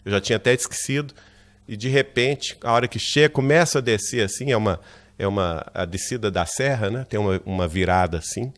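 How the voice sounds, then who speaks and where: Lively Brazilian man telling a story. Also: fairly low pitch, brisk. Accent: Brazilian Portuguese, Minas Gerais. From Brazil, Minas Gerais. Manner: lively narrator who acts out quoted dialogue, often asks "né?". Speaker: lecturer at a spiritist center. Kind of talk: anecdotal lecture storytelling.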